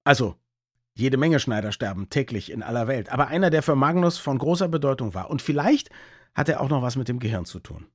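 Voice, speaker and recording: Lively teasing podcast host. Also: male voice, mid-range voice, a little fast, dry recording, studio quality. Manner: curious, teasing questions. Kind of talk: casual podcast conversation.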